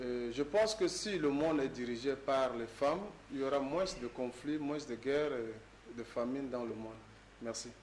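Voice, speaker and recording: A man speaks at a medium pitch with ordinary pitch variation and a moderate pace. Noticeable background noise sits behind him. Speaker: TV panelist. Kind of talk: TV panel debate.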